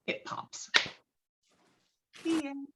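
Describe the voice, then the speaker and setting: A woman's voice: extremely slow, a little hiss or hum. A woman reading screenplay stage directions as a narrator, in scripted narration over a video call. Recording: dull, lo-fi online call audio.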